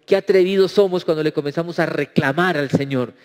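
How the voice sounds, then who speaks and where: A man's voice: on the high side, a little fast. A man preaching a sermon as pastor, emphatic and acting out quoted prayers. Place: church. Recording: reverberant church hall.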